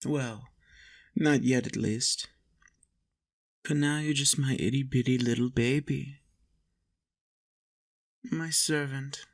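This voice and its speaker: A man playing a possessive, doting vampire master in an intimate roleplay monologue, coaxing and teasing with soft menace. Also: mid-range voice, fairly even intonation, slow, long pauses.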